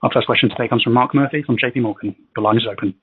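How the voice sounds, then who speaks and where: A man working as a conference call operator, reading scripted announcements with a husky voice. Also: mid-range voice, fairly even intonation, rapid-fire, no echo. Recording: dull, dry conference phone audio.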